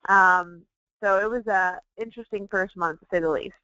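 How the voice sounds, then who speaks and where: Female webinar guest, smooth clear voice at medium pitch, candid informal storyteller; dry, somewhat dull recording. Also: normal speed, sharp tone, dry recording. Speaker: webinar guest, sales team member. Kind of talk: conversational personal testimonial.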